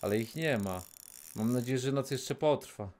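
A man in his thirties streaming a game from a small room on a headset mic, talking casually, cursing and yelling at the game, sometimes dropping to a whisper. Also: mid-range voice, moderate pace, slight background noise. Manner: excitable, swears, yells at the game, then drops to a whisper. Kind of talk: casual live gameplay commentary.

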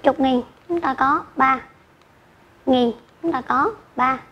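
High-voiced woman teaching math slowly. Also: breathy edge. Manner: slow, careful, spells out numbers digit by digit. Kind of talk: online math lesson for children. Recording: dull lo-fi recording with faint noise.

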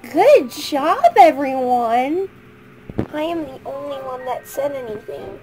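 A woman's voice: sits high, animated, takes it slowly, over music, low-quality recording. A woman doing a patient scolding teacher. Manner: stern but gentle.

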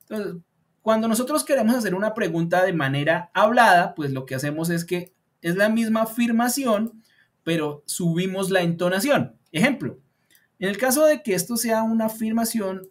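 Man teaching a slow, patient online lesson. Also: sits high, expressive. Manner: thinks aloud while editing slides, many fillers like "pues" and "entonces"; slows down to model example sentences. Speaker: English teacher. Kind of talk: online beginner lesson explained in Spanish.

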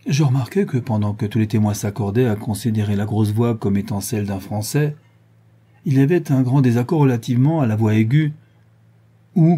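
A male audiobook narrator telling a classic story at an unhurried, even pace. His voice is very dark and husky. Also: on the low side. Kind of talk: scripted narration.

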